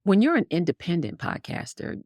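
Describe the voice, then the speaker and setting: A woman's voice: lowish voice, very animated, a little fast, a little mellow, dry recording, studio quality. A woman guest telling a story in conversation, acting out characters with big swings in voice. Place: Harlem upbringing.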